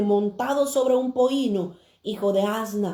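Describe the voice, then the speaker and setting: At a very slow pace, a woman speaks with a fairly high pitch, a dark, mellow tone and a somewhat breathy quality. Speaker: Bible teacher. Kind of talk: Bible class.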